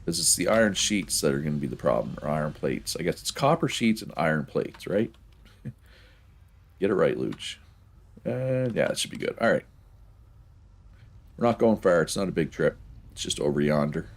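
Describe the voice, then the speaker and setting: A man with a very low, gravelly voice talks his way through a building game, thinking aloud and correcting himself. His nose is a bit stuffed up, and he chuckles now and then. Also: lively intonation, normal speed, long pauses. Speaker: streamer playing a factory-building game. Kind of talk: casual gameplay commentary.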